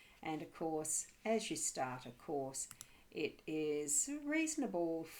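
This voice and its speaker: A woman's very deep, low voice in an Australian accent at a very slow pace, with ordinary pitch variation. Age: 60s. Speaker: writing coach and publisher. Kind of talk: solo livestream presentation. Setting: home. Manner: halting.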